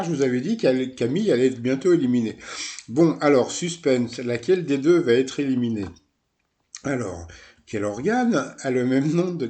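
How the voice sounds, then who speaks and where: A man talks through a recap of a TV quiz show in a loose, chatty way. His voice is mellow and dark, and he keeps stopping for fillers, side remarks and self-corrections. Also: mid-range voice. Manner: rambling, many fillers, asides and self-corrections. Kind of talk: casual recap commentary.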